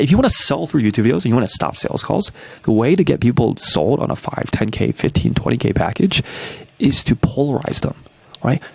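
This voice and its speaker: A man in his twenties from New York, breaking down marketing tactics as a coach, energetic and full of rhetorical questions, tagging "right?" onto nearly every point. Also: mid-range voice, vocal fry, husky, no room sound. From New York, USA. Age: 20s. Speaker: YouTube business coach.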